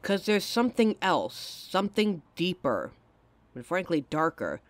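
A woman's voice: on the low side, very animated, measured pace, dry recording. A woman playing a caring young adult girlfriend in an audio roleplay, talking intimately and emotionally straight to the listener on a close mic. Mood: hurt, confronting.

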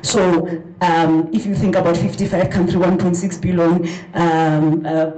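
A woman's voice: on the low side, little pitch movement, a little slow, dark tone. A middle-aged woman with a South African accent giving an earnest, emphatic conference talk from a lectern, repeating words for stress. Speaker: conference speaker. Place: large vaulted hall with stage and projector. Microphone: handheld mic at a lectern, room recording. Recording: echoey hall.

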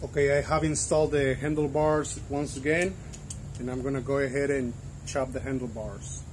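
A man's voice: mid-range voice, flat delivery, moderate pace, a little mellow, a little hiss or hum. A young man narrating a step-by-step DIY tutorial in a plain, instructional way. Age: young adult. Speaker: DIY bike vlogger.

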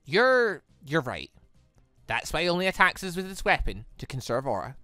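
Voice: mid-range voice, very animated, normal speed, pushed and bright, no room sound, soft background music. A gaming host voicing an anxious young woman fighter from a visual novel, hesitant and easily shaken. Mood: worried. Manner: hesitant, worried. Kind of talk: visual novel dialogue read aloud.

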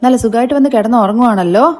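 A harsh, scornful mother-in-law, put on by a woman telling the story, scolding with slow, weighty words in a mellow, darkish voice pitched a little high. She berates without pause, each line a jab, in a spoken serial retelling. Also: lightly acted.

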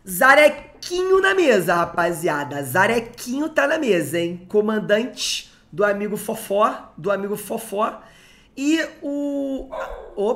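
A man's voice: very high-pitched, a bit bright. Chatty young man from Rio, streaming. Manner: chatty, joking, slangy asides. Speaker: stream host commentating a card game. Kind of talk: casual live-stream commentary and chat.

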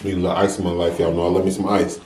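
A man's voice: low voice, little pitch movement, very fast, darkish tone, slight background noise. A young American man talking casually to camera as a mukbang vlogger, giving emphatic, preachy advice with repeated phrases. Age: young adult. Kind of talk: casual advice talk to camera while eating. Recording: roomy echo.

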